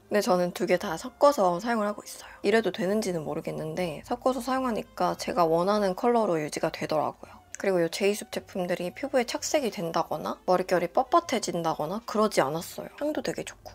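A woman speaks at a very fast pace with hardly any pauses, her medium-pitched voice carrying lively intonation and big swings in loudness. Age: 20s. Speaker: beauty and lifestyle YouTuber; lifestyle vlogger. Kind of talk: product review vlog. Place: home room. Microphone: lapel.

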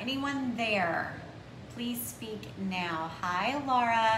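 Woman's voice amid noticeable background noise. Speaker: craft painter hosting a livestream. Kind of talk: casual livestream chat. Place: home room. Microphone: phone near.

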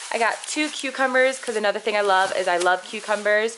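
A woman speaks at a very fast pace with ordinary pitch variation. Light background noise sits behind her. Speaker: lifestyle vlogger, mother of two; vlogger. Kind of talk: casual vlog, product haul. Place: kitchen. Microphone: phone near.

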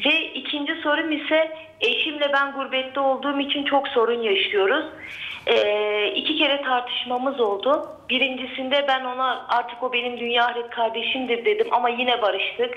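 The woman's voice sits high in pitch with ordinary pitch variation. She keeps a moderate pace and very even loudness. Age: young. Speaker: audience member asking a question. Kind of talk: question to a religious scholar.

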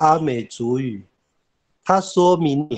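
Very slow speech from a man at a fairly high pitch, with ordinary pitch variation. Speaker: language student; language teacher. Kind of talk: online class participation. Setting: video call. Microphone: video call.

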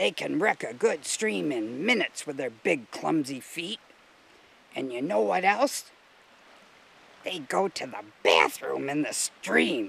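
Putting on a character voice, a man speaks slowly at a fairly high pitch, with big pitch swings, a fairly bright tone, vocal fry and a slightly husky edge.

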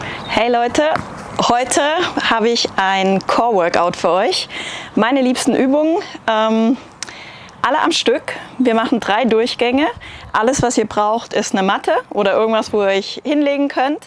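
There are long, frequent pauses as a woman speaks at a fairly slow pace with ordinary pitch variation in a dry sound with no echo. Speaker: fitness trainer. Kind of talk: workout tutorial intro. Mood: friendly, upbeat. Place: open country. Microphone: lapel.

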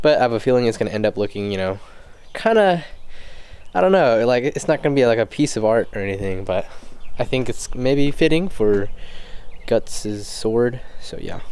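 A man speaks at a moderate pace with long, frequent pauses, in a dry sound with no echo. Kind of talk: casual vlog chat. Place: garden.

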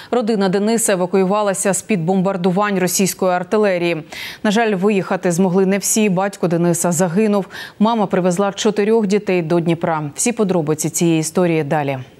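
Speaking at a moderate pace, a woman keeps a medium pitch, fairly even intonation and very even loudness. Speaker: news anchor. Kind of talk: news reading. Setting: studio. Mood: serious formal news tone. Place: studio.

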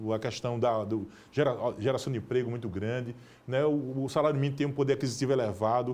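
The speaker is a man talking at a very fast pace. His intonation is fairly even. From Brazil, Recife (Pernambuco); Pernambuco, Brazil. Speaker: state politician. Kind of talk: TV interview. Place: studio. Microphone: lapel.

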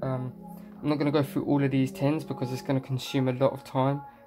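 Clear music plays in the background while the speech rushes by at a very fast pace. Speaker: card collector channel host. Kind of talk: casual vlog chat. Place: home room. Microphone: phone near.

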